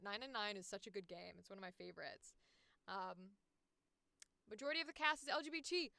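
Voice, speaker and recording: Woman, livestream host, expressive, blunt, casual chat, bright forward voice, dry sound. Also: medium pitch, smooth, no echo. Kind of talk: casual livestream chat, reading casting calls aloud.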